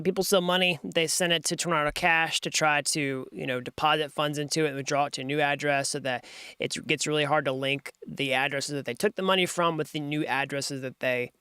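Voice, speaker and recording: Brief: American male host, bright clear voice, chatty digressive screen-share explainer. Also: on the high side, dry recording, clean studio sound. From United States. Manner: chatty, digressive, searching for links on screen as he talks. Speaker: host of a programming channel.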